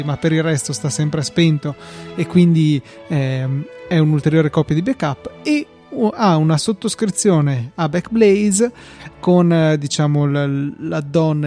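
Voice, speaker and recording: A man's voice: on the high side, dark tone. A man with an Italian accent hosting a podcast, talking through tech matters in a conversational way. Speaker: podcast host. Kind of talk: conversational tech commentary, reading out listener mail.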